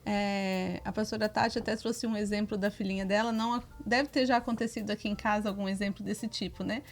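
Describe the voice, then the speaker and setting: A woman's voice: mid-range voice, a little fast, soft background music. A woman, co-hosting a casual chat about Christian parenting and acting out what her children say. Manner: animated, acts out quoted dialogue with her children. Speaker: co-host.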